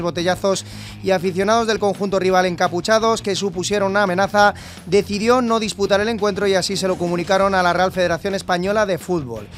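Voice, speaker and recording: A man reading radio sports news in a brisk, scripted way. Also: high-pitched. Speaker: sports reporter.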